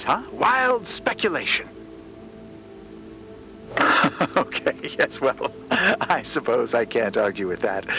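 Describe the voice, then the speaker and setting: High-pitched, flustered, stammering explorer. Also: male voice, heavily acted. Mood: eager, curious. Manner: stammering, rambling, excitable. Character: flustered, eager, deferential male space explorer. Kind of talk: fiction podcast character acting.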